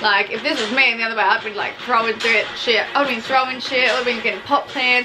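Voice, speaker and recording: A woman talks at a very fast pace with hardly any pauses, her pitch fairly high and her intonation fairly even. Noticeable background noise runs underneath. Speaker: youtuber and former reality TV contestant. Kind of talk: casual reaction commentary. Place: home room.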